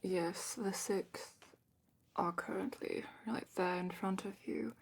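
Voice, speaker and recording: A woman playing a weary, wry, slightly superior female official at a dragon academy, in a soft whispered ASMR roleplay. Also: mid-range voice, steady tone, vocal fry, a little hiss or hum. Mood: smug. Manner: slow, dry, slightly superior, formal.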